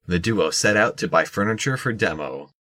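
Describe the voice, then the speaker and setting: A man's voice: lowish voice, animated, moderate pace, pushed and bright. A man reading scripted narration for an audio drama.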